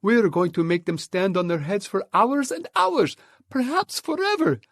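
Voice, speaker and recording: A man plays a clever, bossy monkey father from a storybook, pitched up high and loud with lively swings. He barks orders eagerly, recorded close and dry. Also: normal speed, no echo. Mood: commanding. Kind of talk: audiobook character voice.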